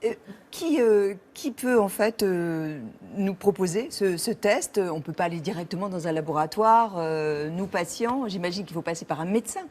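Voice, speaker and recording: A woman hosting a TV interview, asking questions gently with hesitant fillers. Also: fairly low pitch, moderate pace, a little hiss or hum. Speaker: host. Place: TV studio set.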